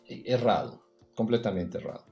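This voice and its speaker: A man's voice: on the low side, lively intonation, normal speed, a little mellow, echoey room, faint music behind. A man, a podcast guest, talking reflectively in a casual interview, telling personal stories and often adding "eh" and a tag question. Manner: reflective, storytelling, frequent "eh" and tag "¿no?".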